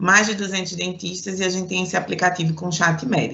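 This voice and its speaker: In a Pernambuco accent, a woman speaks at a fairly quick pace with fairly even intonation. There is audible room echo and noticeable background noise. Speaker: healthcare company manager. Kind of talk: online presentation. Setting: live stream. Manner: hesitant, many fillers.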